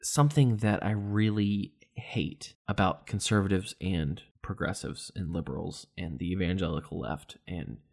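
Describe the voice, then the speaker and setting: A man's voice: sits low, moderate pace, gravelly, few pauses, darkish tone. Sarcastic ranting male podcast host. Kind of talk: solo political commentary podcast.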